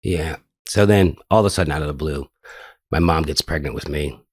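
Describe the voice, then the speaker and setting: A man's voice: rumbling low, brisk, husky, no room sound, studio quality. An older American man telling his life story as a podcast guest, rambling loosely with lots of fillers and the odd swear word. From United States. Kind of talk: casual interview storytelling.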